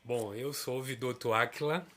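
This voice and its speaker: A man in his fifties from Salvador with a Bahian Brazilian accent, telling his life story as a guest in a relaxed interview. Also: moderate pace. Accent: Bahian Brazilian Portuguese. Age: 50s. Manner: animated storyteller, pitch rises when excited. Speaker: guest, stage actor.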